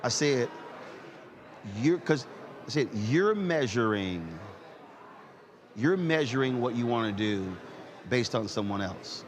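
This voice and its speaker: A man in his fifties hosting an interview, telling stories in an animated way and repeating "I said" as he acts out conversations. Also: medium pitch, slow pace, long pauses, a little hiss or hum. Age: 50s. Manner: animated storyteller, repeats "I said" while acting out exchanges. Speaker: host. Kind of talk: casual interview chat.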